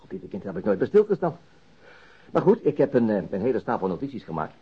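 An actor playing a stubborn, dry-humoured middle-aged police detective in a Dutch radio drama, wry and self-interrupting. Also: male voice, medium pitch, very animated, quick pace, husky. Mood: animated, wry. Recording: muffled archived radio drama recording.

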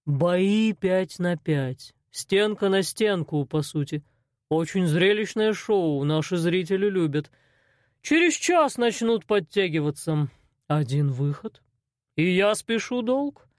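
A woman voicing a cold, menacing male loan shark boss in an audiobook, speaking slowly and mockingly. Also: on the low side, expressive, darkish tone, no echo, clean studio sound. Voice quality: slow, drawling, mocking. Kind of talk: audiobook character voice.

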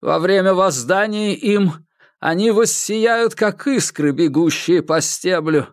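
A man's voice: high voice, slow, no room sound, clean studio sound, pitched above the performer's own voice. A man reading an audiobook voices a preacher solemnly intoning a scripture passage.

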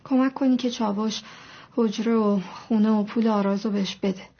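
A woman's voice: mid-range voice, fairly even intonation, close to an everyday voice. An actress playing an anxious young wife who pleads earnestly for her husband's rights, in a dull lo-fi recording. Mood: pleading. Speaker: actress in a TV drama.

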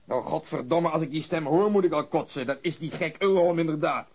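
Gruff, sardonic police detective. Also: male voice, fairly high pitch, fairly quick. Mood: angry sarcasm. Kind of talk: Dutch radio drama dialogue.

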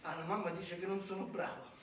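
A man playing Babbo Natale, frazzled high-voiced Santa. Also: level tone, a little fast. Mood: exasperated. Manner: sugary coaxing that tips into shouting. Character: frazzled male balloon-twisting Santa Claus, short-tempered. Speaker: stage actor in a comic monologue. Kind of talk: live theatre comedy monologue. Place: theatre stage. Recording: distant, roomy live stage recording with noise.

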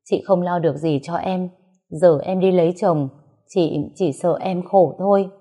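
A woman's voice: on the low side, steady tone, measured pace, warm tone. A woman voicing a weeping, remorseful older sister who pleads and frets. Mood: worried. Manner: tearful, pleading.

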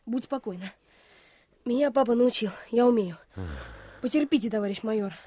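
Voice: medium pitch, normal speed, warm tone, no echo, natural voice. A performer playing a brave, earnest young boy in a wartime audio drama. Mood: reassuring.

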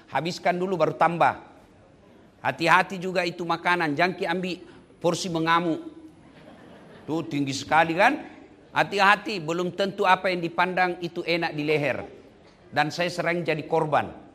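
A man giving a lively, jokey wedding sermon and speaking straight to the couple and the guests. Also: a little high. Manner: lively, jokey, addresses listeners directly. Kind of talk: humorous sermon. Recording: long hall reverb.

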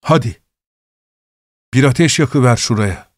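A man voicing a calm, cheerfully defiant male prisoner in a read-aloud story, with a mocking, unhurried manner. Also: mid-range voice, dry recording, studio quality. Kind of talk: audiobook character reading.

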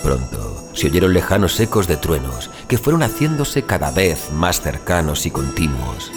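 A man's voice: a bass voice, sing-song, normal speed, full character voice. A man playing a weary, frightened explorer who recounts his ordeal in solemn, literary, suspenseful first-person audio fiction. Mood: ominous. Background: music bed.

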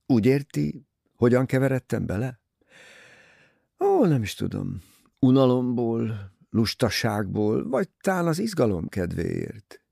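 A man voicing an impulsive, passionate young man in an audiobook, lively and self-mocking. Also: mid-range voice, creaky, no echo, clean studio sound, pitched above the performer's own voice. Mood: rueful.

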